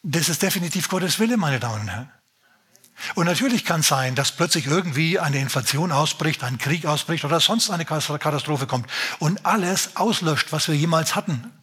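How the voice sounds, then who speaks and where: A man's voice: fairly high pitch, lively intonation, fairly quick, fairly bright tone, husky. A man preaching a sermon as pastor, emphatic and speaking straight to his listeners.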